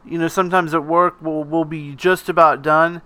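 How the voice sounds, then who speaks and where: A man's voice: on the high side, flat delivery, moderate pace, sharp tone, dry recording. A man hosting a casual film recap, rambling along, laughing often and swearing freely. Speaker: podcast host recapping a film.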